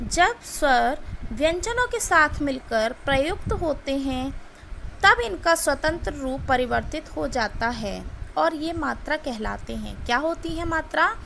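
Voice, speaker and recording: Slow high-voiced woman teaching Hindi grammar. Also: gravelly, fairly bright tone, slight background noise, low-quality recording. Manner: slow, deliberate explanation, stretching example words. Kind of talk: school grammar lesson.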